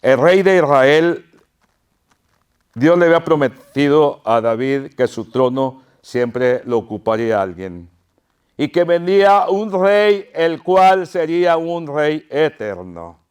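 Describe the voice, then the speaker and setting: Slow, clear-voiced man preaching a sermon. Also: a little high, animated, darkish tone. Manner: impassioned preaching, crying out quoted pleas; addresses the congregation as brothers. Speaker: pastor.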